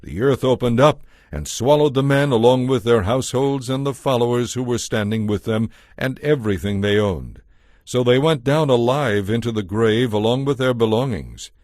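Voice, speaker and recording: A man narrating scripture from a script as a storyteller, in a measured, solemn way. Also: medium pitch, darkish tone, dry recording, clean studio sound.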